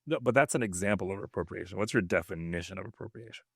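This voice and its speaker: A man's voice: low voice, fast, vocal fry, fairly bright tone, breathy edge, no echo, clean studio sound. A man hosting a casual podcast discussion, informal and often checking back with questions. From Nigeria or Nigerian family. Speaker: podcast host moderating.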